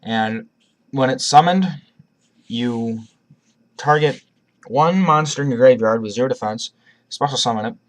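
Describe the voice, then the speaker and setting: A man's voice: mid-range voice, a little slow, pauses often. A man presenting a card deck profile in a casual, rambling way, with frequent restarts and a cough drop in his mouth. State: has a cough, talking around a cough drop.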